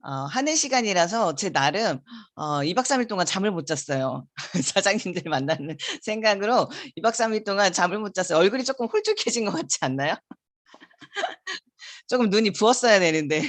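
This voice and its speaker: A woman's voice: lowish voice, dry recording. A woman in her forties giving a motivational seminar talk over a video call, chatty and often laughing between sentences. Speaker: guest lecturer. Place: home in the rain, on a video call.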